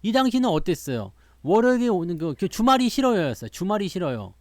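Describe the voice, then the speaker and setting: A man's voice: high voice, sing-song, quick pace, a little mellow, no room sound. A man hosting a stock market show, talking casually and boastfully with many rhetorical questions.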